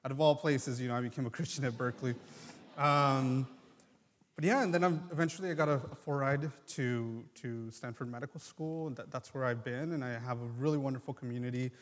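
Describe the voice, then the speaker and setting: A man in his twenties from Mexico, speaking earnestly and reflectively to a congregation, pausing often. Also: mid-range voice. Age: 20s. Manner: earnest and reflective, many ums and pauses. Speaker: guest speaker, medical student. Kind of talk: personal testimony. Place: church sanctuary. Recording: church hall reverb.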